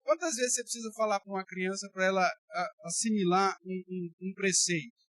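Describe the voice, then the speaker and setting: This Bible study comes from a pastor with a Brazilian Portuguese accent, whose high-pitched, slightly bright voice moves briskly. He preaches in an emphatic, colloquial style and talks bluntly to those listening. There's no echo.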